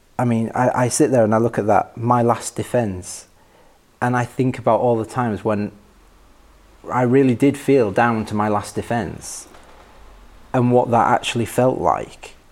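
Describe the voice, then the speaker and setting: A man with a British accent, medium pitch, fairly even intonation and long, frequent pauses. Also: moderate pace. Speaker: guest sharing a poem. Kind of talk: reflective conversation. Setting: live in-person event.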